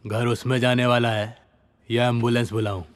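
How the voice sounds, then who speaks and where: An actor voicing a menacing gangster who mocks and threatens in a dubbed action film. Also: male voice, medium pitch, little pitch movement, moderate pace, clean tone, dry recording, clean studio sound, lightly acted. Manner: mocking, threatening.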